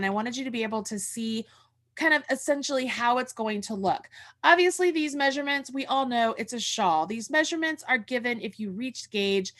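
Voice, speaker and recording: A woman's voice: a little high, a bit bright. A middle-aged woman hosting a casual craft livestream over a video call, chatty and rambling as she thinks aloud. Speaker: host of a crochet tutorial livestream. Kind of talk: casual livestream chat and instruction. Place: room at home. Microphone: video call from a desk.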